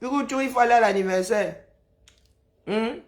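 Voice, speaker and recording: A Cameroonian woman with a hoarse, broken voice, chatting casually on a live stream and greeting viewers by name, exhausted, teasing, humming and sighing between remarks. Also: fairly high pitch. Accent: Cameroonian French. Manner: chatty, teasing, drawn-out sighs and hums. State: hoarse, worn-out voice.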